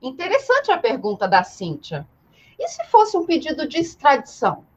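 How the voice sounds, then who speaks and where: Animated, high-voiced Brazilian woman teaching. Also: moderate pace, dull audio. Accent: Brazilian Portuguese. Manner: didactic, full of rhetorical questions and repetition. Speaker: law teacher. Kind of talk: live online lecture, informal and conversational.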